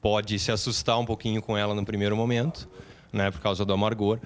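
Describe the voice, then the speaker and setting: A man's voice: fairly low pitch, level tone, fairly quick, slight background noise. A man, explaining home brewing step by step as a studio guest. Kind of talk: casual chat.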